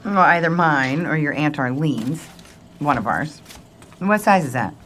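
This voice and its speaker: A dry tired mom, middle aged, low voice but moves around a lot, noisy tape. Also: female voice, animated, unhurried, a bit bright. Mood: wry. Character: wry, slightly weary middle-aged mother sorting family belongings. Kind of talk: naturalistic audio drama dialogue. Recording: noisy field-tape sound with clicks.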